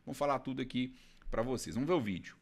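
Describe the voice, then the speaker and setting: A man's voice: mid-range voice, fast talker, gravelly. A man hosting a casual legal commentary video, chatting directly to his viewers.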